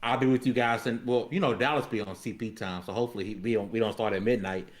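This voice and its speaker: A man's voice: fairly low pitch, fairly even intonation, fast. A man co-hosting a gaming podcast, talking in casual, slangy banter. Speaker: podcast co-host.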